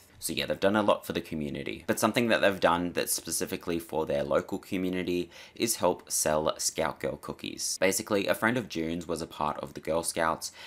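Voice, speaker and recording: A man with an Australian accent and a very deep, low pitch, at a fairly quick pace with hardly any pauses and ordinary pitch variation, in a very clean recording with a silent background. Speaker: YouTube commentator. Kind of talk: casual talk to camera.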